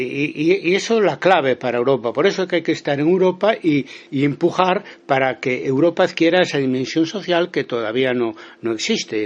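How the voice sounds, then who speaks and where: A man with an accent from Spain giving spontaneous political commentary in an interview, haltingly, often repeating words and restarting. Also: mid-range voice, dull audio. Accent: Spanish from Spain. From Galicia, Spain.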